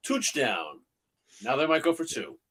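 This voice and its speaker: A man's voice: mid-range voice, sing-song, measured pace, a bit bright, husky. A man with a New York accent joining a live fan stream from home, talking in an easygoing way with lots of fillers. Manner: easygoing, storytelling, filler-heavy. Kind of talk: casual fan chat. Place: home, on a video call.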